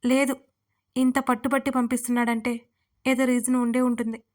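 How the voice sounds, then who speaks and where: Woman reading a sulky sharp-tongued young wife. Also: on the high side, flat delivery, normal speed, close to an everyday voice. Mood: thoughtful. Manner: sulky and reproachful.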